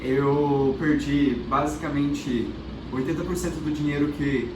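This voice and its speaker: A fairly high-pitched man's voice amid noticeable background noise and audible room echo. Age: 30s. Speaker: author. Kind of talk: casual monologue to camera.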